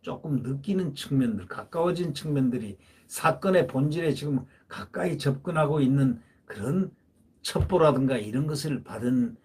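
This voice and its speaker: A man's voice: medium pitch, expressive, moderate pace, darkish tone, husky. A man giving solo political commentary, talking emphatically and repeating phrases to drive his points home.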